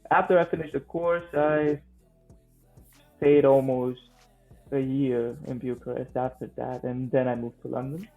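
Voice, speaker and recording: A man in his twenties from Romania with a Romanian accent, answering interview questions conversationally in a halting way, often repeating words. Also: medium pitch, flat delivery, gravelly, soft background music. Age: 20s. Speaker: guest, vocal coach and singer-songwriter. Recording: thin phone-like line.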